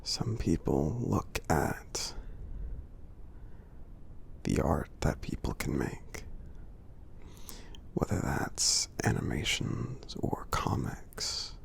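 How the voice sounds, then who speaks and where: Guy doing a friendly giant for asmr, super gravelly and deep, gentle and supportive, soft whispery. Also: very animated, full character voice. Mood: soothing, supportive. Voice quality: husky, breathy, gravelly low voice. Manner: slow, gentle, reassuring, pausing often. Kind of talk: ASMR roleplay, soft half-whispered affirmations.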